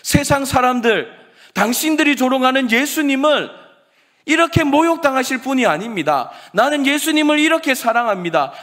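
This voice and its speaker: A man acting out an anguished woman who cries out in defiance, loud and impassioned. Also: extremely high pitch, pitched above the performer's own voice.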